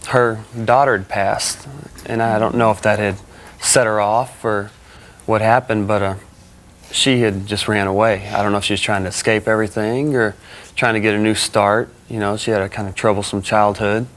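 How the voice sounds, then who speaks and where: A man as a guest on a talk show, speaking haltingly and plainly with many pauses. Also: lowish voice, flat delivery, fairly bright tone. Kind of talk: emotional interview answers. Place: television studio.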